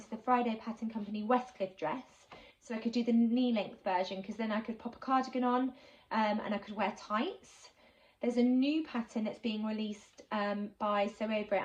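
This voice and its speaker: A woman's voice: medium pitch, highs cut off. Chatty woman, slightly sniffly. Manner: chatty, enthusiastic, many ums. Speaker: sewing vlogger. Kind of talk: casual unboxing chat.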